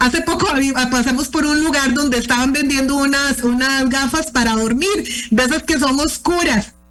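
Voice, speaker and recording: Against noticeable background noise, a woman with a high pitch speaks with ordinary pitch variation and very even loudness. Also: moderate pace. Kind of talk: seminar talk, sermon-like.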